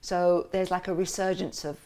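A woman telling family and cultural stories as an interview guest in a lively, animated way. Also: fairly low pitch, normal speed. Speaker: interview guest, musician and cartoonist. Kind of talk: casual conversational interview.

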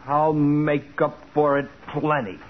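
An actor playing a defiant young delinquent with slangy streetwise diction in a 1940s radio crime drama. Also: male voice, fairly high pitch, little pitch movement, slow pace. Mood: defiant, bitter. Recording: dull, noisy 1940s radio recording.

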